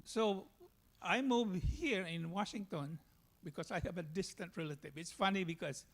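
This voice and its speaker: A man from the Philippines with a Filipino accent gives a personal church testimony, speaking haltingly. His voice is high-pitched.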